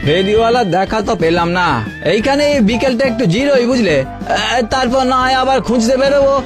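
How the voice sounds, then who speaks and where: A man's voice: very high voice, brisk. A man voicing a worried village farmer who frets and stammers in exasperation, in a cartoon. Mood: fretful. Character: worried middle-aged village farmer, fretful. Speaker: farmer husband. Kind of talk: cartoon voice acting. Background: background music.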